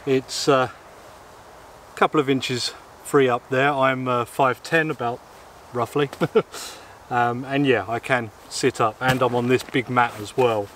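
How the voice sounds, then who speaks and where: An Englishman chats casually through an outdoor gear review in the woods, filling his speech with ums and uhs. His medium-pitched voice is steady, measured in pace and a bit bright, recorded by a camera mic close up and at mid distance, in and beside a small tent, with slight background noise.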